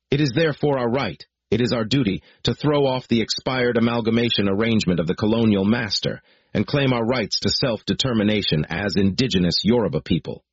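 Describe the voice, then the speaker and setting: A man reading out a formal political declaration in a solemn, deliberate, measured way. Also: fairly low pitch, breathy edge, no room sound. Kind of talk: formal read proclamation. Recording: dry, dull lo-fi recording.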